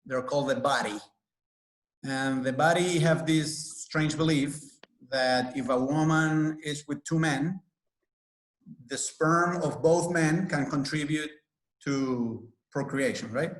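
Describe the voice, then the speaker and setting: A man's voice: on the high side, slow, reverberant, poor audio. A man from Venezuela interviewing a guest in conversation, skeptical and telling stories to make his point. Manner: skeptical, storytelling, laughs while questioning.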